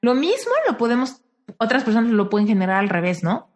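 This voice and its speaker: A woman's voice: on the high side, expressive, a little fast. A woman hosting an interview podcast, asking questions and reflecting on her guest's answers in an affirming way. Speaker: podcast host.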